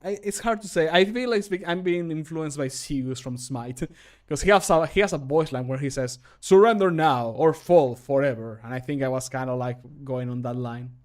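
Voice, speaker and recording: Fairly high-pitched and steady in tone, this man talks a little fast with few pauses. A streamer in his thirties or so, he mods games and records his own voice lines, chatting casually on a livestream as he works from a computer desk indoors, self-deprecating and frequently muttering to himself.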